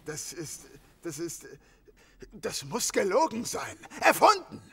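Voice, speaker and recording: An actor in a crime radio play voicing an agitated innkeeper grieving his murdered wife, halting, stammering and swearing bitterly. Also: sits high, big pitch swings, vocal fry, bright, forceful tone, a little hiss or hum, heavily acted. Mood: defensive, evasive. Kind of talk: dramatic audio drama acting.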